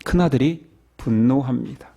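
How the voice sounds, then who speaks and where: A man's voice: mid-range voice, moderate pace, creaky. A male pastor preaching a Sunday sermon, acting out the characters of the story in quoted voices and dropping to near-whispers at the ends of phrases. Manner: animated, acts out the parable's characters in quoted voices.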